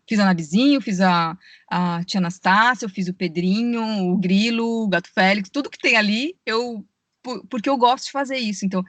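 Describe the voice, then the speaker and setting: A woman's voice: mid-range voice, no room sound. A woman, a voice actress and audiobook narrator, explaining her work at length on a podcast call and often saying "né". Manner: explains at length, many fillers like "né" and "assim". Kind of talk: podcast interview over a call. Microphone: remote call.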